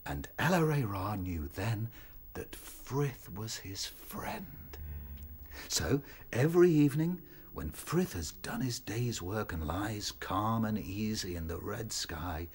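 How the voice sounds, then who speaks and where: A man playing a young rabbit, an eager but timid storyteller, with a theatrical, expressive delivery in a radio play. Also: on the low side, takes it slowly, breathy edge, exaggerated voice. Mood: rapt storytelling.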